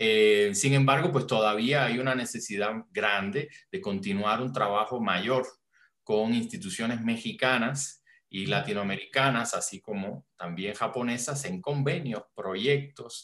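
A man has an unremarkable speaking voice at medium pitch. He talks at a fairly slow pace with ordinary pitch variation. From Cuba. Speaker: historian and research center director. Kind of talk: interview.

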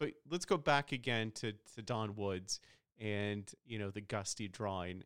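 A man with an American accent in a plain, everyday voice, fairly low in pitch at a moderate pace, on a very clean recording with a silent background and a dry, close sound with no echo. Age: 30s. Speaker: TV meteorologist, podcast host. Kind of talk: casual monologue. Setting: studio.

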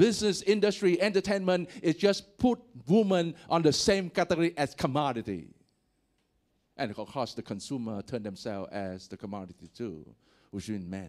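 A man talks in a fairly high pitch with very wide pitch swings. The pace is moderate, and the recording is very clean with a silent background. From Vietnam. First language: Vietnamese. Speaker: pastor. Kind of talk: sermon. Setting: church.

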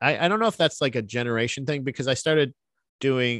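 A man's unremarkable speaking voice, medium in pitch and fairly quick, with lively intonation, dry close sound without echo, and a quiet background. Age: 30s. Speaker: podcast host and comedian. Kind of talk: casual chat.

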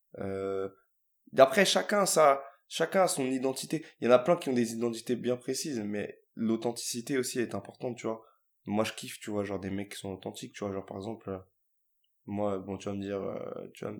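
At a moderate pace, a man with a medium pitch uses lively intonation, big swings in loudness and long, frequent pauses. The recording is very clean, with a silent background. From Seine-Saint-Denis, France. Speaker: rapper. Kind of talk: casual interview.

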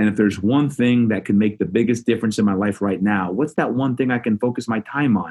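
Talking at a very fast pace with hardly any pauses, a man uses a fairly low pitch and ordinary pitch variation. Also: very even loudness. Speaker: gym owner and trainer. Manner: motivational, passionate; emphatic, uplifting.

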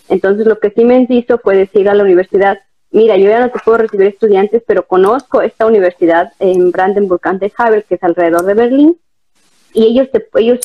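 At a fairly quick pace and very even loudness comes a plain, everyday voice. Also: woman, medium pitch for a woman, ordinary pitch variation. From Ecuador. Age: 30s. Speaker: engineer. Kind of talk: interview, casual chat.

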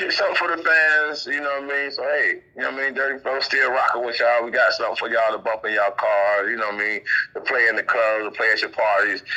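A man with an American accent talks at a very fast pace with hardly any pauses. There is noticeable background noise. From Savannah, Georgia (US South). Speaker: rapper. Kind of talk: casual interview.

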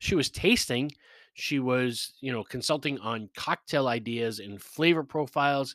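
A man with a Boston accent at a fairly slow pace, in a very clean recording with a silent background and a dry, close sound with no echo. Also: medium pitch for a man, ordinary pitch variation. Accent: Boston-area New England. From Massachusetts, Worcester. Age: 50s. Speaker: spirits podcast host. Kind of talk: casual monologue.

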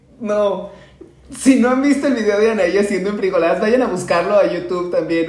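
Speech at a moderate pace plays against noticeable background noise. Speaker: podcast co-host. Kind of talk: casual chat.

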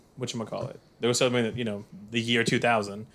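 A man speaks in a monotone, flat intonation. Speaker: podcast host. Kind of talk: casual group chat.

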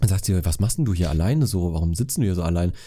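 A man with a very deep, low pitch and a dark, mellow, somewhat breathy tone talks at a very fast pace in a very clean recording with a silent background. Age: 30s. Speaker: podcast co-host. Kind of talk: casual chat.

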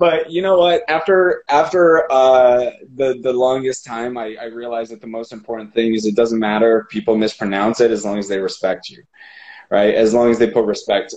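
Using a normal speaking voice, a man talks at medium pitch with lively intonation. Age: 30s. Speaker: acting coach. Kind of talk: casual chat. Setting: video call. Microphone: phone held in hand.

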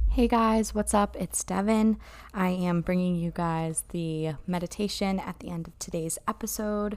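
Using a plain, everyday voice, a woman speaks at a fairly slow pace and medium pitch with fairly even intonation. Her loudness swings widely, on a very clean recording with a silent background. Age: 20s. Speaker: podcast host and yoga teacher. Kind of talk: casual chat; guided meditation.

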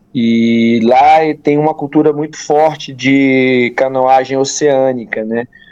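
At a very slow pace, a man talks at medium pitch with fairly even intonation. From Brasília, Brazil. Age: 40s. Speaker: ocean canoeing athlete. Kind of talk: casual chat. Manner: halting.

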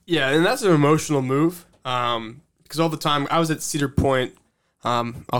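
A man with a Midwestern American accent speaks with fairly even intonation. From Ohio, US Midwest. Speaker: sports podcast co-host. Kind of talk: casual chat.

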